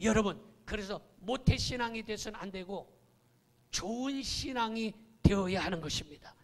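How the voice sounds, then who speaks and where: A man's voice: high-pitched, moderate pace. A middle-aged man preaching a sermon as pastor, emphatic and acting out the quoted voices.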